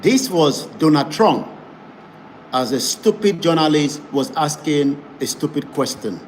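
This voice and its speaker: A man's voice: a little high, animated, unhurried. Male web broadcaster, emphatic campaigning delivery, noisy recording. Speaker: online broadcaster. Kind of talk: advocacy broadcast. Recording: noisy background.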